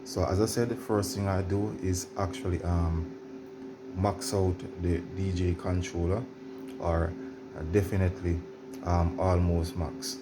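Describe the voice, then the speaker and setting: A man presenting an informal how-to demonstration, explaining in a halting, repetitive way and addressing viewers directly. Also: low voice, little pitch movement, background noise. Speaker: tutorial presenter.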